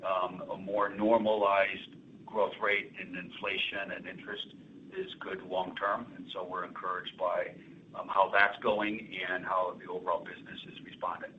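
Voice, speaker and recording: A man speaking as a company executive, giving measured financial commentary on an earnings call. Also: sits low, flat delivery. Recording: noisy, thin phone-line sound.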